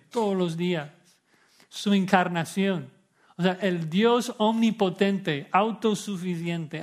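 A male pastor preaching an expository sermon with emphasis, rhetorical questions and repeated phrases. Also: a little high.

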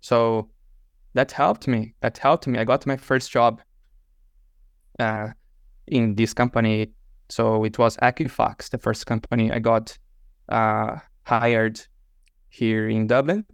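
Male interview guest, unhurried storyteller, smooth clear voice, dry close sound. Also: mid-range voice, steady tone, dry recording. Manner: unhurried storytelling with many fillers. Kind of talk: casual interview chat.

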